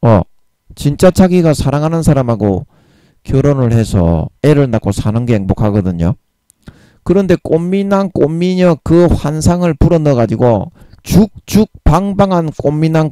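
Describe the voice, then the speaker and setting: A man preaching a Bible sermon in a blunt, emphatic way, using coarse everyday words and drawing out key phrases slowly. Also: mid-range voice, expressive, warm tone, clean tone, dry recording. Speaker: evangelist preaching.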